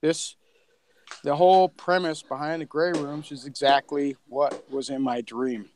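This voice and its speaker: A man who co-created a podcast, chatting casually in an informal, somewhat halting way. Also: a little high, little pitch movement, darkish tone, a little hiss or hum. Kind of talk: casual chat.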